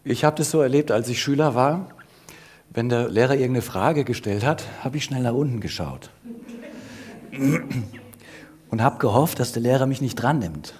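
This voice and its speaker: A man's voice: medium pitch, darkish tone, slightly rough. A man preacher telling a story to children in a service, asking them questions as he goes. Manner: addresses children directly with questions.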